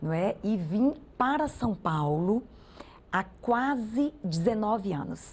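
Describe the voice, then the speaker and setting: Very slow, somewhat breathy speech from a woman with a Bahian accent and very wide pitch swings. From Brazil, interior of Bahia (Vitória da Conquista). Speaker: state legislator. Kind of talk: TV interview.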